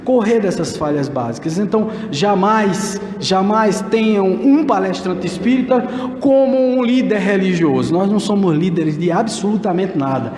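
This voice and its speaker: A man's voice: high voice, moderate pace, a little mellow. A man giving a spiritist lecture from a pulpit, speaking earnestly and directly to the audience. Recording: echoey hall with long reverb.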